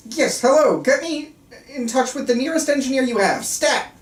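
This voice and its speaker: A woman's voice: sits high, animated, normal speed. A woman playing an earnest, controlling male psychiatrist at a script table read, stumbling slightly and speaking clinically and insistently. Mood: alarmed, urgent. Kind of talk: table reading of a film script. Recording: roomy, distant mic, faint room noise.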